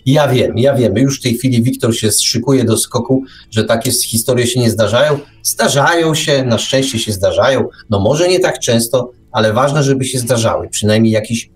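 A man's voice: mid-range voice, moderate pace, few pauses. A man hosting a radio show in casual chat, heard a little distant from the microphone.

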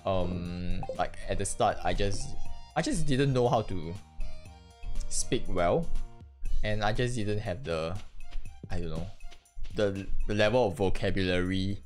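Young man, Singaporean English accent, lowish voice, reflective casual talk, slight stutter, soft music underneath. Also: a little slow, pauses often. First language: Mandarin Chinese. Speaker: gaming channel host. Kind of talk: casual gameplay commentary and personal reflection. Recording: faint music behind voice.

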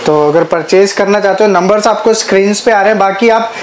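Man host of a showroom tour, upbeat agreeing, high voice, faint room noise. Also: fairly quick. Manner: eager, agreeable interjections. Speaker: video host. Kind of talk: product tour.

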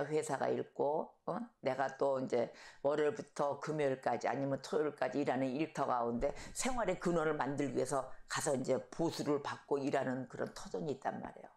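A middle-aged woman pastor preaching a sermon, telling stories and acting out shouted quotes. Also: extremely low pitch, fairly quick, few pauses. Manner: storytelling, animated, acts out shouted quotes. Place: church sanctuary. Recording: echoey church hall.

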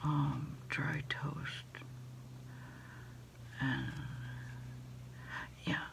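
A middle-aged American woman whispering an ASMR role-play as someone taking phone orders, unhurried and pausing as if listening to a caller. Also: deep voice, little pitch movement, creaky, poor audio. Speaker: ASMR creator role-playing a food delivery order taker.

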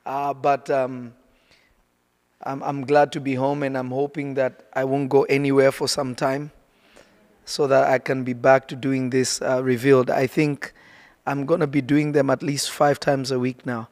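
A man, a prophet and pastor, greeting viewers in a relaxed, halting teaching talk with many fillers. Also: medium pitch, long reverb tail.

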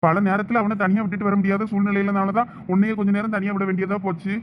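A man's voice: high-pitched, level tone, fast talker, slight background noise. A young man acting a husband in a village comedy skit, coaxing and pleading playfully. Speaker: sketch actor. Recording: dull lo-fi recording.

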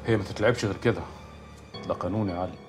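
An actor playing a calm senior police officer with an Egyptian accent, speaking in a measured, soothing manner. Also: male voice, low-pitched, music in the background, close to an everyday voice. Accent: Egyptian Arabic.

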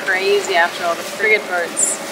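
A woman's voice: fairly low pitch, normal speed. A woman in her forties, a solo sailor, chatting casually to the camera in her boat's cockpit at sea, musing with lots of "like" fillers. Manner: relaxed, musing, many "like" fillers. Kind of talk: casual vlog talk to camera. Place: open sailboat cockpit at sea, outdoors. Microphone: handheld camera close up. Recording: distant camera mic, loud wind and engine noise.

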